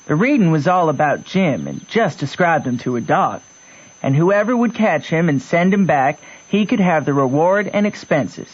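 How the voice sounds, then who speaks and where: A man's voice: fairly high pitch, animated, moderate pace, slightly rough. An actor in a radio drama playing a shrewd country boy who narrates in a plain, folksy way with a Southern American accent. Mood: wry, matter-of-fact. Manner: folksy, matter-of-fact storytelling. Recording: dull lo-fi radio recording.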